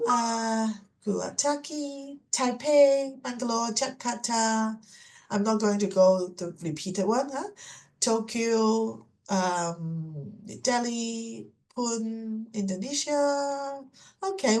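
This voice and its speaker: A woman's voice: a little high, darkish tone. A middle-aged woman from Hong Kong hosting an online webinar, presenting informally with chatty asides to attendees. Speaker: webinar host and MBA admissions manager. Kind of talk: presenting a webinar, semi-scripted.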